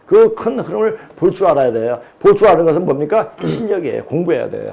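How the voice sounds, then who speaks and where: Noticeable background noise fills the clip. Over it, a man speaks at a fairly quick pace. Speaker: lecturer on China and geopolitics. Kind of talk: lecture-style talk show. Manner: slightly slurred speech.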